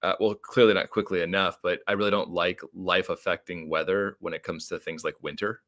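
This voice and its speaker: A man's voice: sits low, steady tone, brisk, fairly bright tone. A middle-aged American man telling his story casually as a podcast guest, talkative and a little rambling. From United States (Arizona).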